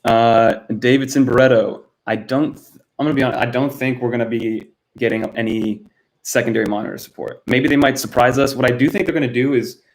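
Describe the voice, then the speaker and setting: Brisk and medium-pitched, a young American man from Miami talks with fairly even intonation while hosting his first live stream. He keeps it casual and answers viewers by name. Poor audio from a built-in camera mic reflects the cluttered room at home where he's recording.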